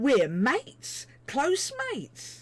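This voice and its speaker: Putting on a squeaky character voice, a woman speaks in a high pitch with very wide pitch swings. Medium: read story. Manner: erratic, emotional.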